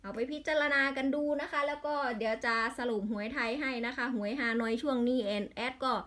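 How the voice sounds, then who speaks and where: A woman's voice: sits high, a little fast, fairly bright tone. A woman with an Isan accent in a casual vlog, rattling off lottery number strings and breaking into exasperated grumbles.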